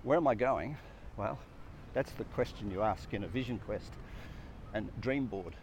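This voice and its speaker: A man's voice: fairly low pitch, normal speed, darkish tone, slight background noise. A man giving an earnest, reflective talk on personal growth, stacking up lists of questions and repeating phrases.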